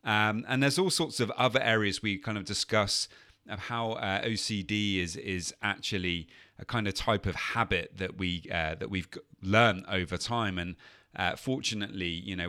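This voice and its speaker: Low-voiced male podcast host, friendly, hesitant delivery, dry sound. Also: pushed and bright, no room sound. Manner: friendly, many uhs and restarts. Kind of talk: podcast intro and interview.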